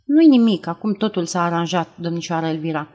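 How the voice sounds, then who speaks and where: A woman voicing a polite, soft-spoken older male jeweller in an audiobook. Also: on the low side, expressive, close to an everyday voice.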